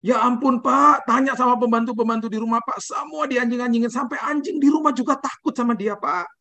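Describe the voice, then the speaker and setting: Guy doing a desperate teary driver begging for a job, squeaky high voice. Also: brisk, bright, forceful tone, full character voice. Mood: complaining. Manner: pleading, addresses the listener as "Pak" again and again. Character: desperate male chauffeur, pleading and tearful.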